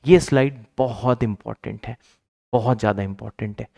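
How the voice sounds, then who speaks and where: A man's voice: lowish voice, moderate pace, gravelly, a little mellow, no echo, studio quality. A male math teacher giving an exam-prep lecture, emphatic and repetitive, raising his voice to stress points and teasing his students playfully.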